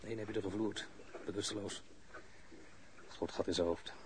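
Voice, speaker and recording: Actor as a very deep-voiced, wry policeman. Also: fairly even intonation, moderate pace, natural voice. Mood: calm, clipped. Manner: clipped, matter-of-fact, wry. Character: calm, dryly humorous foreign male police officer. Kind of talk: radio drama acting, dialogue. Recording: noisy older radio drama recording.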